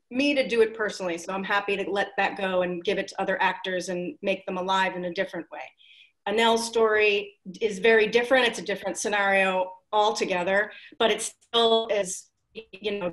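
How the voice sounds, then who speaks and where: Woman, mid-pitched voice, soft and thoughtful, webcam sound from a home room. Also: low-quality recording. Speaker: playwright. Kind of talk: casual discussion on a video call. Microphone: webcam on a video call.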